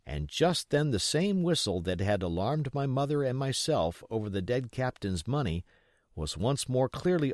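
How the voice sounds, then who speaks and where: A man's voice: on the low side, a little mellow, dry recording, studio quality. A man reading an adventure novel as an audiobook narrator, in scripted storytelling style.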